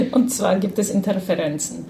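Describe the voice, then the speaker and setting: A woman from Uruguay telling her own story off the cuff, hesitant, with many pauses and filler sounds. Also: medium pitch, lively intonation, gravelly, a little mellow, slight background noise. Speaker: interviewee. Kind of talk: unscripted personal account.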